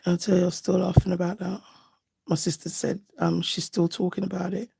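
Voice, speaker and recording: Husky woman with heavy vocal fry. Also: lowish voice, flat delivery, brisk, mellow. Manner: chatty, affectionate, thinking aloud. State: slightly hoarse from screaming. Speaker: nail art livestream host. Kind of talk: casual live chat while doing nails.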